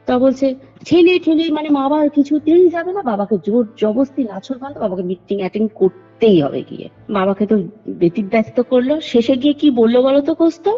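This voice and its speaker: A woman's voice: sits high, fairly quick. A woman, calling in to tell a true ghost story in a rambling, earnest way and often addressing the host. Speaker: caller sharing a personal story. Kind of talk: telling a true ghost story over the phone. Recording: dull lo-fi phone call with faint music.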